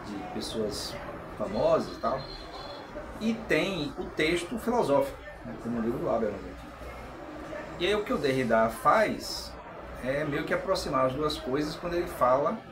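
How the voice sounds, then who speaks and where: A middle-aged Brazilian man giving an informal video lecture, conversational and often checking in with tag questions. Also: medium pitch. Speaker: channel host and philosophy explainer. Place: small tiled room, indoors. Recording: echoey room with clear background noise.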